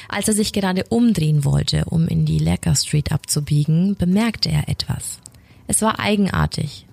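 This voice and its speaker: A woman co-host reading a horror story aloud in a slow, dramatic storytelling manner. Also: lowish voice, creaky, darkish tone, breathy edge, no echo. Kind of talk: scripted narration.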